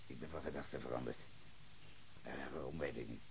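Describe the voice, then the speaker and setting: An actor playing a bitter, hard-drinking former sea captain under questioning, brooding low then flaring into furious shouts in a radio drama. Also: male voice, fairly quick, vocal fry, a little hiss or hum. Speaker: suspect questioned by detective.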